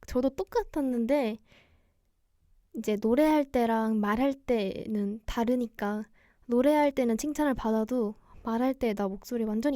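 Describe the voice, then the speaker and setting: Young female idol DJ for a cozy late radio chat: quiet-spoken, gentle, warm mellow tone, dry recording. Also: fairly high pitch, no room sound. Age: young adult. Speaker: radio DJ host, idol singer livestreaming. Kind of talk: cozy radio-show style livestream chat.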